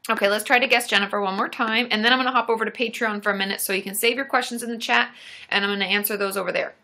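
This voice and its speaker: A woman's voice: medium pitch, fairly even intonation, racing, sharp tone. A young adult woman therapist hosting a casual live-stream Q&A, chatty and reassuring, with many fillers and restarts.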